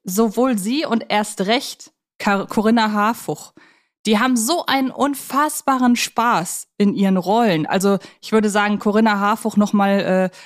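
Casting: woman, podcast co-host, casual film talk, playful and colloquial, medium pitch. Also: normal speed.

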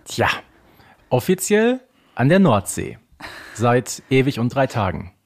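A man's voice: medium pitch, big pitch swings, slow. Man co-hosting a casual podcast. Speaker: podcast co-host. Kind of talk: casual conversational podcast talk.

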